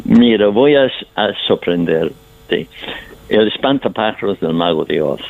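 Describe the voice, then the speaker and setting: Older actor with a foreign accent, phone line. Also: male voice, on the low side, lively intonation, unhurried, vocal fry. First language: not Spanish. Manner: thoughtful, storytelling, slightly non-native Spanish phrasing. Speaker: stage actor, guest. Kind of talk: radio interview answers. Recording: tinny phone line, dry.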